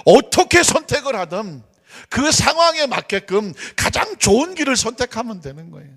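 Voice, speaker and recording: High gravelly pastor in a reverberant church. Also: male voice, normal speed. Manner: animated, swings between shouting and hushed asides, acts out villagers. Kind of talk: sermon with folksy storytelling. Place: church sanctuary. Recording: church hall with long reverb.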